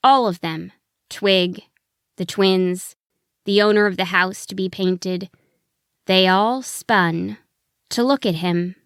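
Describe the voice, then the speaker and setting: A woman narrating a scripted children's story in an expressive, deliberate way. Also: medium pitch, clear, resonant tone, no echo, clean studio sound.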